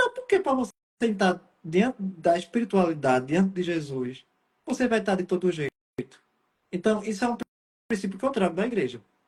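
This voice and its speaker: Pitched high, a man talks at a fairly quick pace with lively intonation, broken by long, frequent pauses. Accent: northeastern Brazilian. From Pernambuco, northeastern Brazil. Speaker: spiritist medium. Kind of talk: live-stream interview conversation. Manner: animated.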